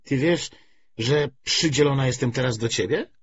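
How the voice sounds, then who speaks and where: A man voicing a brisk, wry, self-assured young communist woman in an audiobook novel, talkative with a feigned lightness. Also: medium pitch, breathy edge, lo-fi sound, pitched above the performer's own voice. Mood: brisk, probing.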